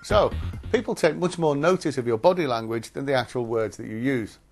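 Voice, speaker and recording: A man presenting a training film in a measured, articulate, instructive way, as scripted narration. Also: medium pitch, over music.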